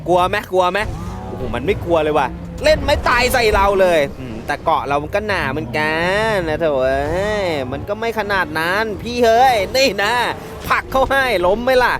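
A man giving excitable, laughter-filled commentary while playing a mobile game, taunting his opponents as he goes. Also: sits high, brisk, few pauses, music in the background. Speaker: gaming channel host.

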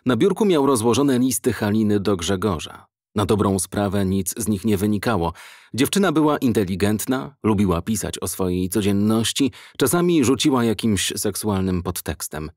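A man reading an audiobook in measured, even scripted narration. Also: lowish voice, no room sound, studio quality.

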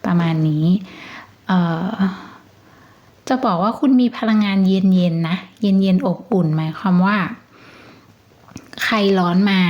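Gentle chatty woman, slightly dull audio. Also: fairly low pitch. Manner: chatty, gentle, reassuring, with many fillers. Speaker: tarot reader. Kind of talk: casual tarot reading monologue.

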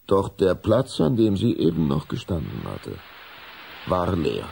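A man's voice: low voice, huge pitch swings, measured pace, vocal fry, a little mellow, breathy edge. A man narrating a scripted children's story for a radio play.

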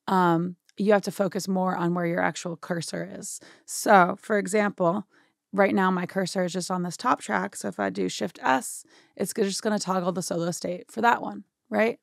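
A young woman with a hoarse, worn-out voice, chatting through a software tutorial in a home studio and often checking in with "right?". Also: mid-range voice, steady tone, moderate pace, no echo. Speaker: music production tutorial host. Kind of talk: casual screen-share software tutorial.

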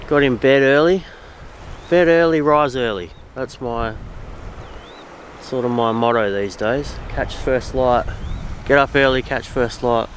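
A man's voice: medium pitch, a little slow, a little hiss or hum. A man in his thirties with an Australian accent, chatting casually and rambling a little as he vlogs from a beach campsite, camera held at arm's length. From Western Australia. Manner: relaxed, rambling, repeats himself. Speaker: camping vlogger. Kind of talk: casual outdoor vlog.

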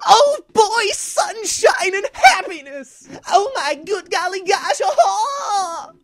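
A man voicing an excitable, panicky, goofy young character for a voice acting demo reel. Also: very high-pitched, takes it slowly, voice pushed up, heavily acted. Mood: giddy.

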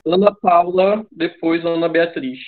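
A Brazilian man with a Brazilian Portuguese accent teaches English online, his high-ish voice coming at a measured pace with phone-quality sound from a computer mic on a video call. He calls on students and jokes around in relaxed classroom banter.

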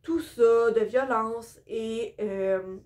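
Speaking extremely slowly in a slightly mellow, higher-pitched voice, a young woman from Quebec goes over her new books in a casual vlog. Her Québécois French accent is clear, and she comes across as hesitant and a bit tired, with many fillers. She records in an indoor room with bookshelves.

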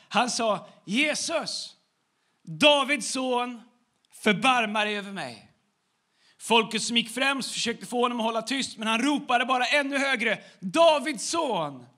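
A man's voice: extremely high pitch, pushed and bright. A man preaching a sermon as the church's pastor, in a conversational way, acting out short everyday dialogues.

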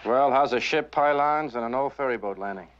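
A man plays a sardonic police lieutenant who talks fast and dryly. The sound is dull, like an old TV soundtrack with faint room noise behind it. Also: mid-range voice, close to an everyday voice. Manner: brisk, sardonic. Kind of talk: 1970s TV drama acting.

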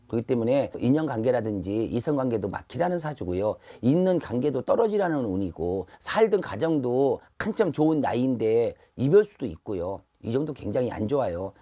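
A middle-aged man reads fortunes to camera in a steady, advisory way, pausing often on fillers. His voice is husky and dark, warm rather than bright. It is picked up close on a lapel mic indoors. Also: medium pitch. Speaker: shaman fortune teller. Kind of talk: fortune reading talk to camera. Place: shrine room with altar, indoors.

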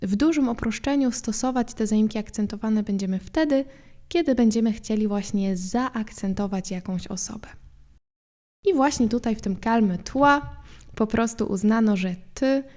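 Mellow-voiced woman teaching a lesson. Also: fairly high pitch. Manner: patient, repeats French words slowly for practice. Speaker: French teacher and podcast host. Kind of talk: explanatory language lesson.

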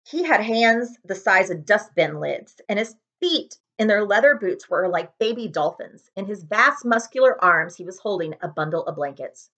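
A woman's voice: medium pitch, expressive, normal speed, hardly any pauses, a bit bright, highs cut off. A woman in her thirties reading a children's chapter book aloud expressively, recorded on a webcam in a room at home. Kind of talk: storybook read-aloud narration. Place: small home room with window blinds.

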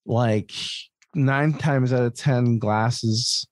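A man co-hosting a podcast in casual comedic chat, telling stories in an animated way with plenty of swearing. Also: medium pitch, drawn-out words, no echo, studio quality. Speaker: podcast co-host.

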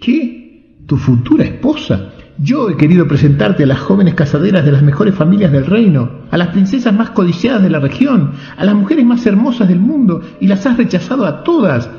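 A man's voice: mid-range voice, animated, moderate pace, lightly acted. A man voicing an indignant, commanding old king in a storybook reading. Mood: outraged. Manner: commanding, exclaiming. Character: indignant old male king, imperious and demanding. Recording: echoey, reverberant, slightly dull.

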